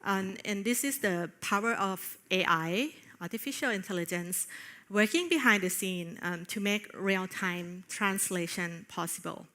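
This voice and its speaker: Female conference presenter, bright forward tone, earnest and hesitant with fillers. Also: medium pitch. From Thailand. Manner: earnest, with frequent filler pauses. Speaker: conference speaker. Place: on stage at a tech conference.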